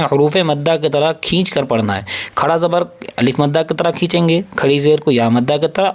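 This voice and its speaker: A man teaching a step-by-step reading lesson, drilling slow, drawn-out syllables and patiently repeating each rule, often asking a question and answering it himself. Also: on the high side. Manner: asks and answers his own questions.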